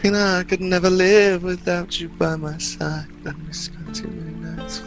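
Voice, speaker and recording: A man with a fairly high voice banters as a player in a tabletop game. His talk is casual and jokey, with music clearly playing behind it. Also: monotone, normal speed. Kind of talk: casual joking table chat.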